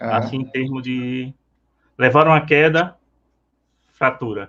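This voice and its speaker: A man talks at a very slow pace in a medium pitch. His tone is bright and sharp, and his intonation fairly even. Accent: Pernambuco. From Recife, Pernambuco, northeastern Brazil. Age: 50s. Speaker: tax auditor. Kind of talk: interview.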